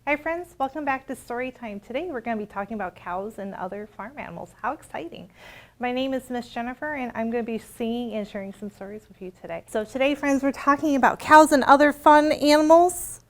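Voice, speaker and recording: A woman librarian leading an interactive storytime for young children, expressive and asking simple questions. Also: on the high side, fairly quick.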